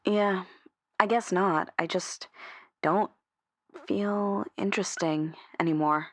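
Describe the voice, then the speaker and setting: A woman's voice: medium pitch, steady tone, slow, fairly bright tone, no echo, clean studio sound. A woman playing an insecure, self-doubting caller on a radio drama phone-in, hesitant and downcast in manner. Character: insecure, self-doubting female scuba instructor calling radio. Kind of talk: scripted audio drama phone-in.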